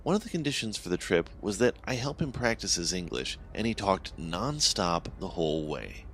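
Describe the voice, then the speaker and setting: A man's voice: sits low, very animated, normal speed, a bit bright, slight background noise. A man narrating a scripted horror story in a dramatic way, swelling and dropping his voice for suspense.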